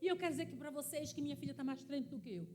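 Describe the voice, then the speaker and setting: A woman pastor with a Brazilian Portuguese accent, preaching a sermon and telling a lively testimony in church. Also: sits high, rapid-fire, very noisy. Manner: animated storytelling, acting out quoted cries. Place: church service.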